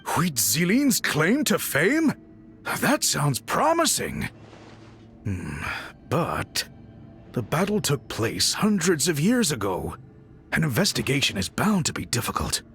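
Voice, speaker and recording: A man's voice: on the high side, wildly swooping pitch, takes it slowly, fairly bright tone, soft background music, heavily acted. A man playing a courteous, dutiful tribal chief in a video game, speaking formally and with deference. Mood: interested. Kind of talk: scripted game dialogue.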